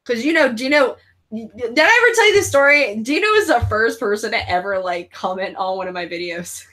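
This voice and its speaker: Lively, bright-voiced joking woman host. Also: fairly high pitch, fairly quick. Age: 30s. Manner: crude, joking, reads chat comments aloud. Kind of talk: casual watch-along chat.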